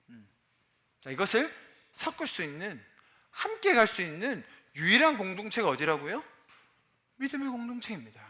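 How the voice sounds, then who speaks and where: A man in his forties from Busan, South Korea, with a high, sharp-toned voice, preaches a sermon as a pastor in a church sanctuary. His style is chatty, he speaks Busan Gyeongsang dialect, and he asks the congregation questions.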